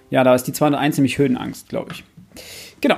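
A man's voice: mid-range voice, a little fast, creaky, darkish tone. A young man hosting a casual book discussion, thinking aloud in a hesitant, self-correcting way. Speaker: podcast host.

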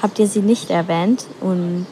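A woman's voice: fairly low pitch, fairly even intonation, a little slow, mellow, a little hiss or hum. A sixteen-year-old girl, leaving an informal voice message as a quiz listener. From Switzerland. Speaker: listener sending a quiz question.

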